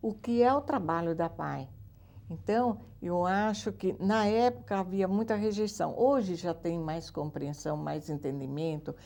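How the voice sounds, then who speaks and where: A woman with a dark, mellow tone speaks at a fairly slow pace with very wide pitch swings on a very clean recording with a silent background. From Brazil, São Paulo state (Pederneiras). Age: 80s+. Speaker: charity president. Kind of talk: TV interview.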